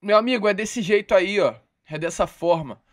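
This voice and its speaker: A Brazilian man hosts a football channel and delivers emphatic commentary full of indignation. His voice is high for a man. He talks straight to his viewers. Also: moderate pace. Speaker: sports channel host.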